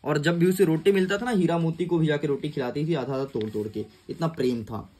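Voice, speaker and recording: A man's voice: fairly high pitch, a little fast, darkish tone. A young man teaching an exam-prep lesson in a casual, chatty way, talking to his students like friends. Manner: chatty, calls students "yaar" and "bhai".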